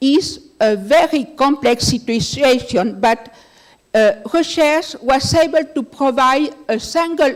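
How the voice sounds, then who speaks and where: Speaking very slowly with a French accent, a woman uses a high pitch and lively intonation while keeping her loudness very even. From France. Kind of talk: conference presentation. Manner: halting, many fillers.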